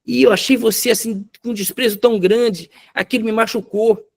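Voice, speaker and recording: A man's voice: sits high, steady tone, moderate pace, creaky, darkish tone, pitched above the performer's own voice. A man voicing a tearful young wife who pleads that she cooked with love. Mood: hurt, pleading. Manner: pleading, emotional.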